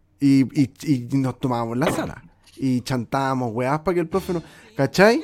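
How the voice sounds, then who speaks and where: A man with a Chilean accent, medium pitch, ordinary pitch variation and a moderate pace. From Chile, Santiago. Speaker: podcast host. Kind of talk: casual chat. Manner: animated.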